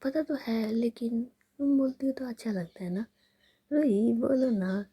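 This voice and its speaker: A woman's voice: fairly high pitch, a little slow, warm tone, slightly rough. A woman voicing a playful, doting young woman in love, pleading and coaxing in a whispered role-play.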